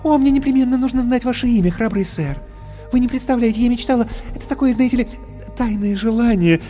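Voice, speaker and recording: A breathless young clown girl gushes in a very high, fluttering voice, as a male reader puts her on. She pours out thanks and admiration without pause. The storybook reading has a long, echoing reverb and faint music underneath. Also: dark tone. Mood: gushing. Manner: breathless, gushing, falsetto. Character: gushing, effusive young woman clown. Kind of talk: audiobook character voice.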